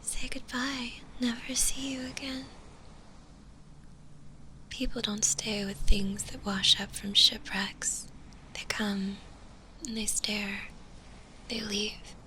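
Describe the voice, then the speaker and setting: A woman voicing a gentle, lonely stitched-together zombie girl in a whispered ASMR roleplay, with a soft breathy voice and tender, hesitant delivery. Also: mid-range voice, level tone, a little hiss or hum. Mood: wistful, tender. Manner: slow, hesitant, tender delivery with long pauses.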